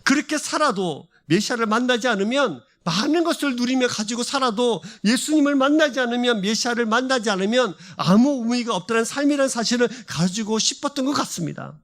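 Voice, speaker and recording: Impassioned high-voiced preacher man. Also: expressive, fairly quick, hardly any pauses, a bit bright. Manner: impassioned, repeats and builds phrases. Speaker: pastor. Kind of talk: sermon. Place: church service.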